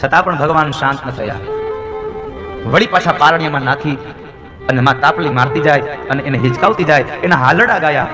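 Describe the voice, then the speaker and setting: Animated devotional storyteller, man. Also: fairly high pitch, brisk, music in the background. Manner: animated, addresses listeners as sahib. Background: musical instruments.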